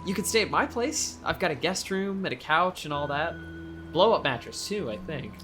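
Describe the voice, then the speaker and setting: Lively, friendly young islander, lighter-voiced. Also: male voice, a little high, moderate pace, faint music behind. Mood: easygoing, friendly. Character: friendly, easygoing young islander man offering help to strangers. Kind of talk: naturalistic audio drama acting.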